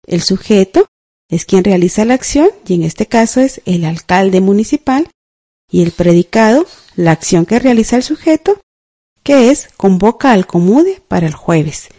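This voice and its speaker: A mellow, warm-toned woman leads a scripted radio grammar lesson. She goes step by step, spells words out and checks in with little "ujú" and "¿verdad?" prompts. Her pitch sits in an ordinary middle range. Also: expressive, normal speed. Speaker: radio teacher.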